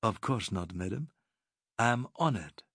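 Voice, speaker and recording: A man's voice: on the low side, expressive, a little slow, a bit bright, breathy edge, no room sound, clean studio sound, full character voice. A man voicing a shrewd, proud Arab boat captain who speaks formal, broken English with courtesy.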